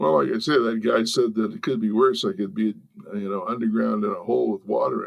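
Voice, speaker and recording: Big swings in loudness mark this man's very fast speech. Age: 70s. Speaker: homeschool consultant and author. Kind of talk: casual interview. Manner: halting, many repeated words.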